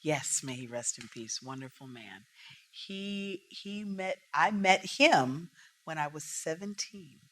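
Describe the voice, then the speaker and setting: A jazz singer from Oakland, California, a woman telling stories from her career as a podcast guest, animated and lively. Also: deep voice, takes it slowly. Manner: animated storyteller, acts out quotes. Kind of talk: storytelling interview talk.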